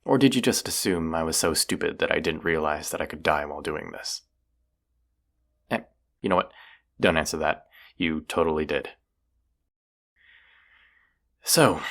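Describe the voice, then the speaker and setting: In a roleplay audio, a man plays a cocky, self-deprecating young vampire hunter, his deep, fairly bright voice delivering gravelly, teasing, casually sarcastic lines. The mood is defiant and sardonic.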